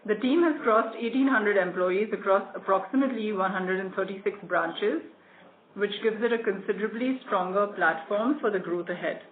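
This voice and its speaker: An executive reads a scripted earnings presentation in a formal, measured corporate way. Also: mid-range voice. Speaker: company executive presenting quarterly results. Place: conference call. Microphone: phone or conference call line. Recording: phone-like conference line with clear noise.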